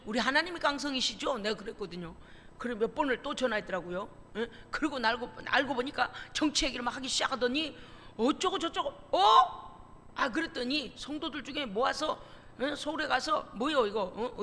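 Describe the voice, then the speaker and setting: A woman pastor preaching a sermon, animated and emphatic, acting out conversations as she tells stories. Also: high voice, a little fast, big-room sound, slight background noise. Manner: animated storytelling, acting out phone calls. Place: church sanctuary.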